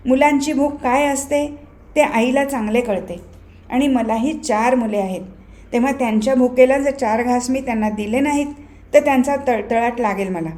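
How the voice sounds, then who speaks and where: A woman's voice: a little high, normal speed, darkish tone, lightly acted. A woman voicing a firm, caring mother who speaks earnestly in a novel reading.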